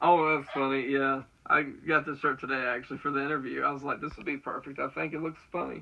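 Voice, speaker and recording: Racing along at a very fast pace, a man with a Southern US accent speaks at a fairly high pitch. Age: 20s. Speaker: YouTuber and aspiring voice actor. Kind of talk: casual interview chat. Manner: halting.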